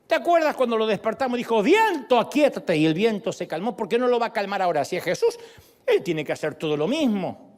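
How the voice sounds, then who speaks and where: A middle-aged man preaching a sermon in a joking, lively way, acting out voices. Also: high-pitched, quick pace. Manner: animated, joking, acts out voices.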